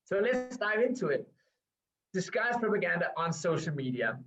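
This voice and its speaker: A man with a Danish accent, pitched a little higher than most men, talks through a research presentation in English. He pauses often on fillers and restarts his phrases. He sounds set back from the mic, and the video-call audio is dull and muffled. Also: big pitch swings, distant mic. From Denmark. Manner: hesitant, with frequent um and uh fillers and restarts. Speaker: researcher giving a guest lecture. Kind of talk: academic presentation. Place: at home.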